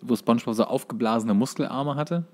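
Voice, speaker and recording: A man's voice: mid-range voice, fairly quick. A man, chatting casually as the co-host of a podcast. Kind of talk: casual chat between friends.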